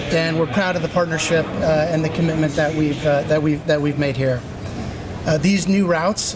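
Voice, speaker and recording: A man giving a public speech as an airline executive, halting and often pausing to find his words. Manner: halting, frequent hesitant pauses. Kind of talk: public speech at a press announcement. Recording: noisy event, urban background rumble.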